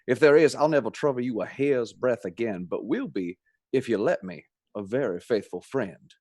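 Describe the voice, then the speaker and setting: Actor as a folksy Texan gentleman suitor, close-up. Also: mid-range voice, lively intonation, moderate pace, no echo, close to an everyday voice. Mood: earnest. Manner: folksy drawl with American slang. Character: jolly, gallant young Texan suitor, earnest and folksy. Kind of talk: radio play acting.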